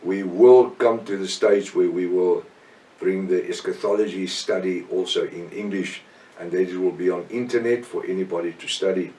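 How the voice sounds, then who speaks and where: A middle-aged man with a South African Afrikaans accent teaches scripture in an earnest, emphatic way. His phrases are short and halting, often repeated for weight. He sounds a little away from the microphone, in a very echoey room. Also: sits low, steady tone, dark tone, far from the mic. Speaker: preacher and Bible teacher. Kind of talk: extemporaneous Bible teaching sermon.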